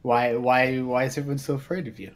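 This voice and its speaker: A man's voice: medium pitch, flat delivery, brisk. A man chatting casually as a player in a roleplay game, informal and a little hesitant as he improvises. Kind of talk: casual in-character improvised chat.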